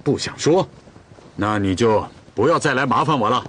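An actor playing a dutiful young Torghut man in a costume drama who scolds firmly and then soothes gently. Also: medium pitch, animated, moderate pace, a little hiss or hum, natural voice. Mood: stern. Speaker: Torghut herder tending the khan's horses. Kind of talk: television costume drama dialogue.

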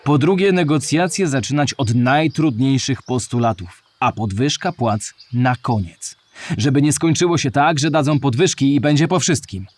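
A shipyard striker voiced by a male actor gives dramatised first-person testimony. The voice is mid-pitched and somewhat husky. He tells his account in a plain-spoken way, as in an educational radio play. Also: moderate pace, lightly acted. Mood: reminiscing, resolute.

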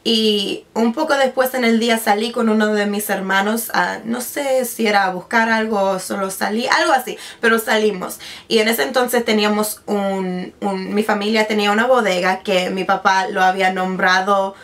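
This casual personal vlog comes from a beauty vlogger in her twenties, sitting indoors at a bedroom vanity desk with a camera at medium distance in front of her. Raised on Spanish, she mostly speaks English now. Her mid-range, fairly bright voice is steady at a moderate pace with few pauses, though she restarts often and slips in English words.

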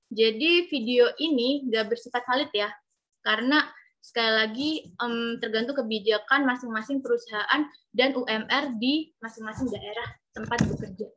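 A woman's voice: on the high side, normal speed, a bit bright, low-quality recording. A woman giving a casual slide presentation in a webinar, chatting directly to her audience over a video call. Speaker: webinar speaker. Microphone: computer mic on video call.

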